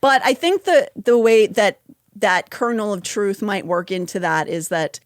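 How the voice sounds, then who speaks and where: A woman's voice: mid-range voice, unhurried. A woman hosting a podcast, talking in a wry, chatty way with asides and laughs. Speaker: podcast host. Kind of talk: casual conversational podcast.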